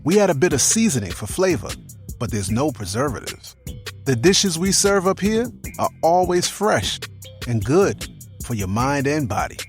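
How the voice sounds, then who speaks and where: A man's voice: on the high side, very animated, normal speed, soft background music. A man hosting and producing a podcast, talking casually and playfully with slang and easy laughter, with stretches of scripted narration. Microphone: remote video call.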